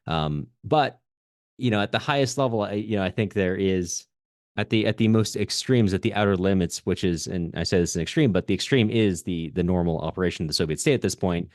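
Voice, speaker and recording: A male podcast host with a low voice in a very dry recording. He analyses books conversationally, pressing his points with emphasis, restarting phrases and checking in with short tag questions. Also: a little fast, a little mellow, no echo. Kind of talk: casual literary analysis.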